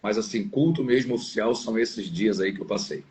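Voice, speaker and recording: Deep-ish guy from northeast brazil, pastor chatting casually on an online interview. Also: fairly quick, a little mellow, a little hiss or hum. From Sergipe, northeastern Brazil. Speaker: pastor, podcast guest. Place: at home, downstairs, on an internet call.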